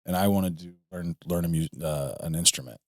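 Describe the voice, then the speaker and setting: A man's voice: low-pitched, a little fast, no echo, studio quality. A man co-hosting a podcast who reads sponsor spots and chats casually with short interjections. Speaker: podcast co-host. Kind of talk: sponsor read and casual chat.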